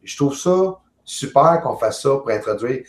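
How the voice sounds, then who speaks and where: A man with a Québécois French accent, a guest chatting casually over a video call, jovial and halting with many fillers and restarts. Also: mid-range voice, animated. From Quebec, Canada. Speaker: guest, amateur astronomer. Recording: roomy echo.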